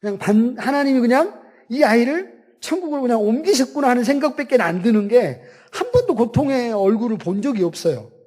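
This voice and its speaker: A middle-aged man, a missionary pastor, telling a personal story in a sermon, halting and emotional with long pauses. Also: extremely high pitch, sing-song, darkish tone. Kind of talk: sermon testimony. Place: church sanctuary.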